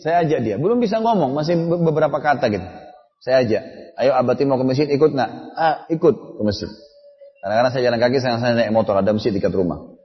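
A middle-aged man giving a religious lecture, telling family stories in a conversational way and acting out dialogue. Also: mid-range voice. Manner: storytelling, conversational with quoted dialogue. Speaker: preacher. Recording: dull lo-fi audio with long hall reverb.

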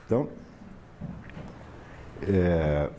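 A man's voice: low-pitched, animated, drawn-out words, noisy background. A man giving a philosophy lecture to a class, emphatic and sardonic, often asking for assent.

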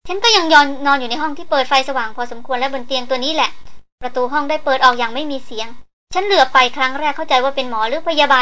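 A woman's voice: high voice, pushed and bright. A woman narrator voicing a frightened young woman who urgently recounts a vivid dream. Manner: urgent, breathless telling.

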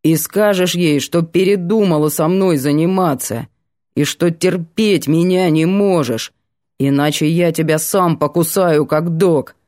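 A woman voicing a gruff, irritable young male student who speaks curtly. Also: low-pitched, measured pace, a little mellow, no echo, studio quality. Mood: threatening. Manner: curt and growling.

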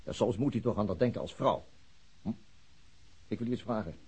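A stern male police detective in a radio play. His voice is low and husky, and he questions formally, doggedly and insistently. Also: fairly quick, a little mellow. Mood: pressing. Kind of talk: radio drama acting.

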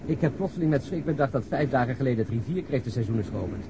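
A man's voice: medium pitch, lively intonation, fast talker, gravelly, noisy background. An actor playing a sardonic male police detective in a radio drama. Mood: wry. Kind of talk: Dutch radio drama acting.

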